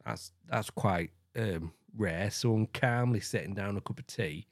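The podcast host here works through an account casually, peppering it with blunt asides full of swearing. Fairly low in pitch and a little slow, his voice comes through clean studio audio without echo.

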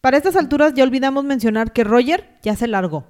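A woman co-hosting a podcast in casual chat, reacting with quick gasps and playful comments. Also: high-pitched, lively intonation, darkish tone. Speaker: podcast co-host.

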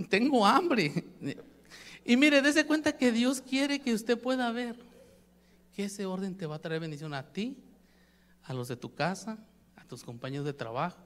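A man preaching a sermon, animated and jokey, speaking directly to his congregation. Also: sits high, measured pace, pauses often. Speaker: pastor.

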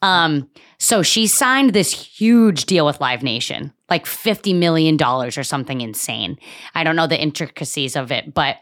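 Young new woman chatting on a podcast, lowish voice, emphatic and swears a lot. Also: normal speed. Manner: animated, emphatic, swears casually. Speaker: podcast co-host. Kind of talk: casual chat.

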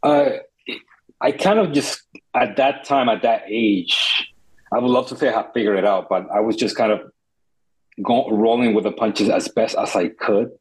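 A man's voice: lowish voice, normal speed, husky, rough recording. A man from the Dominican Republic, a startup founder telling his story in an interview, earnest and reflective with many restarts.

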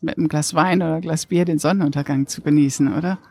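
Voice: mid-range voice, steady tone, quick pace, gravelly, warm tone, dry recording. An interviewer asking friendly, enthusiastic questions at a beach bar. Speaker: interviewer, reporter.

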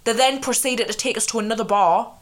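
An English woman co-hosting a podcast, telling animated stories in casual chat while congested with a cold. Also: on the high side, a little fast. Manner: animated storytelling, swears. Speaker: podcast co-host.

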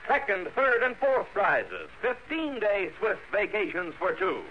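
A man's voice: sits high, animated, measured pace. A man announcing a programme and its sponsor message in 1950s radio style. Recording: noisy, dull vintage radio broadcast.

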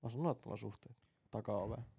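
A man's voice: lowish voice, vocal fry, mellow, husky. A man co-hosting a casual podcast, telling rambling stories full of swearing and laughing at his own jokes. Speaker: podcast co-host. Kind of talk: casual crude banter.

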